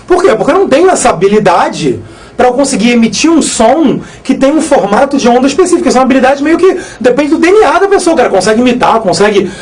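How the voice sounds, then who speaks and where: A man teaching a live exam-prep physics lesson, energetic, joking and repeating himself. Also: very high voice, fast talker, poor audio.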